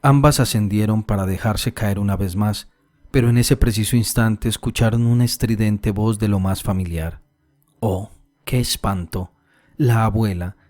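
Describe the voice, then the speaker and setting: A man reading a classic short story aloud as an audiobook narrator, calm and measured. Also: lowish voice, no echo.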